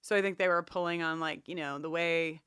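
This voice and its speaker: A woman co-hosting a podcast, chatting casually about a TV show in a wry, animated way and often interrupting herself. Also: on the low side, a little fast, smooth, no echo, studio quality. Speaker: podcast co-host.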